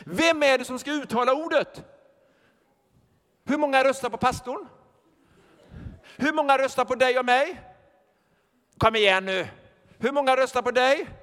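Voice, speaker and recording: An older man preaching a sermon as pastor, lively, joking and putting questions to the congregation. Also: extremely high pitch, pauses often. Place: church hall. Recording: long reverb of a church hall.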